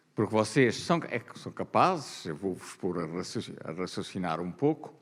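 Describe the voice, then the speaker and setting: Vocal fry, very wide pitch swings and a fairly slow pace. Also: man. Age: 80s+. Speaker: botany professor. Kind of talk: lecture.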